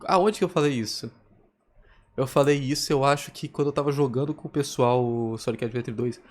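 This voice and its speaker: A man's voice: mid-range voice, brisk. A Brazilian man reacting casually, telling stories in a rambling, slangy way. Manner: slangy, rambling, repetitive storytelling. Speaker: reaction video host.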